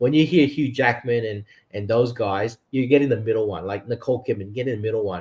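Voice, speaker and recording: This man speaks very fast at a medium pitch, with a slight Australian accent and ordinary pitch variation. His voice is somewhat breathy, and the recording is very clean with a silent background. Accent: subtle Australian. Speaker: atheist debater. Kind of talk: casual chat.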